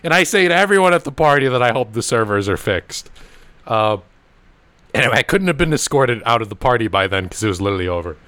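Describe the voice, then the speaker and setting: A man's voice: medium pitch, quick pace, clear, resonant tone, no echo. Swearing, laughing young man storyteller. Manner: swearing, laughing, animated anecdotes. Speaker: podcast host. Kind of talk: casual storytelling chat.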